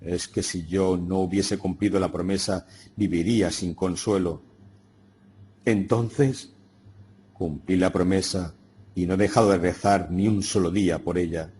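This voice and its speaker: A man voicing a grown brother who reasons calmly, in a measured, earnest audiobook reading. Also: sits low, slight background noise.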